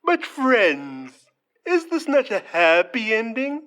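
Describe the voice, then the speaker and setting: Audio comedy schemer, female actor: polished, smug royal fixer, unhurried delivery with lively intonation. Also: on the high side, heavily acted. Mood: self-justifying, smooth. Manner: polished, self-satisfied, formal. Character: smooth, scheming fixer who cleans up royal scandals. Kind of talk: audio fiction comedy acting.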